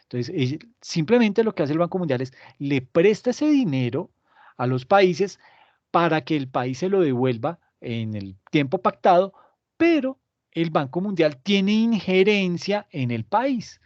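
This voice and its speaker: A man's voice: on the high side, very animated, unhurried, a little mellow, dry recording, dull audio. Man explaining with sarcasm. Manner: acts out imagined dialogues between government and banks, sarcastic. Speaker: podcast host explaining economics. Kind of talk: casual explanatory podcast talk.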